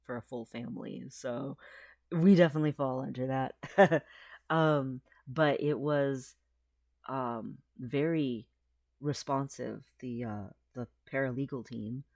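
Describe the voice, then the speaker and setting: A man's voice: mid-range voice, takes it slowly, vocal fry, darkish tone, dry recording, studio quality. A trans man rambling through a casual video diary, with lots of fillers and frequent laughs, his voice sometimes cracking. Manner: chatty and rambling, many fillers, laughs often. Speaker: vlogger.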